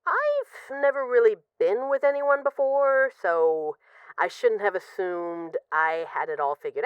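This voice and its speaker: A close, dry, slightly muffled recording of a woman acting as a lovesick female mafia boss on an intimate phone call in an audio drama. Her voice is lowish and swings expressively. She is guarded yet vulnerable, confessing haltingly. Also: clean tone, no echo. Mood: wistful, hesitant. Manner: halting, confessional, with pauses and sighs. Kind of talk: intimate scripted audio roleplay, one side of a phone call.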